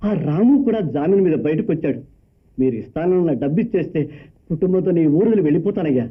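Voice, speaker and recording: An actor playing a frightened, pleading guilty worker. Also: male voice, a little high, expressive, fast, close to an everyday voice. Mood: fearful. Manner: pleading, fearful. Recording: tinny lo-fi film soundtrack with music.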